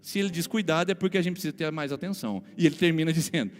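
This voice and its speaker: A man's voice: on the high side, rapid-fire. A man with a Brazilian Portuguese accent, a pastor preaching an emphatic sermon and often addressing the congregation directly. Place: church hall. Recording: church hall reverb, faint music.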